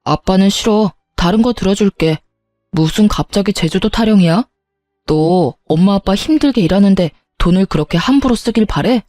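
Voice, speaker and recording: A woman voicing an angry middle-aged husband and father who shouts curtly and bullies his family, with faint music behind. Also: medium pitch, lively intonation, moderate pace, dry recording, studio quality, lightly acted. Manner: shouting, curt and bullying.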